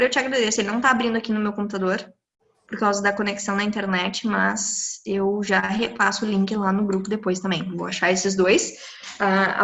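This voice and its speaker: A woman, an English teacher explaining pronunciation rules to students in a live online class over a computer mic, lively and encouraging. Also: mid-range voice. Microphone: computer mic on a video call.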